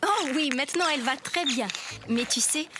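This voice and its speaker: A woman voicing a kindly animal keeper who gently explains things to children in a cartoon. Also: high-pitched, animated, normal speed, noisy background. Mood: gentle. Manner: gentle, instructive.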